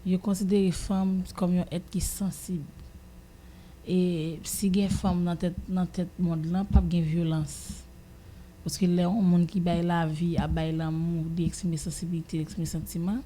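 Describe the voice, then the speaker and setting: A woman with a Haitian accent giving her opinion in a casual radio discussion, haltingly, often repeating phrases as she searches for words. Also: fairly low pitch, flat delivery, dark tone, a little hiss or hum.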